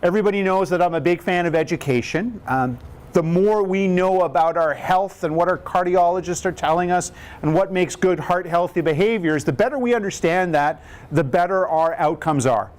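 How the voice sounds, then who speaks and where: Leading a live question-and-answer session, a booming-voiced man in his fifties, a cardiac rehab educator, explains health topics in plain, upbeat terms. He pitches a little high, speaks at a moderate pace, and keeps throwing rhetorical questions to the audience.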